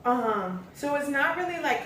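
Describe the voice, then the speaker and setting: A woman's voice: high voice, lively intonation, unhurried, fairly bright tone. A young American woman vlogger in casual, informal storytelling chat. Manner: informal, acts out quoted remarks. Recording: echoey room, distant mic, faint noise.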